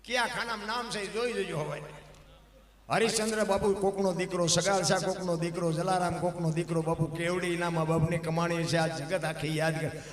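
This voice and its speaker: A man telling devotional folk stories on stage, emphatic and swelling into loud declamation. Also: high voice, distant mic. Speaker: dayro storyteller. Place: live stage program. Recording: echoey hall with long reverb.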